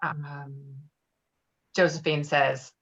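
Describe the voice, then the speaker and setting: Female narrator for a script read-through, lowish pitch, informal and slightly halting delivery. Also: fairly even intonation, fairly bright tone, lo-fi sound. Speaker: stage directions reader.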